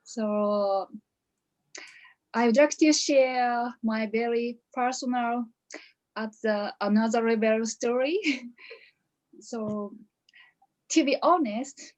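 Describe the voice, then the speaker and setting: A woman's voice: a little high, slow, pauses often, darkish tone, rough recording. A woman from Japan with a Japanese accent, giving a hesitant graduation speech with many restarts over a video call. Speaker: coaching graduate.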